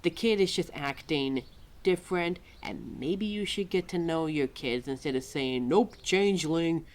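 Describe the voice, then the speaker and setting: A woman's voice: low voice, a little slow, darkish tone. A woman playing an exasperated, opinionated keeper of forgotten lore in an ad-libbed audio roleplay, chatty and sarcastic as she talks straight to the listener. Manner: sarcastic, chatty, heavy sighs and mimicked quotes.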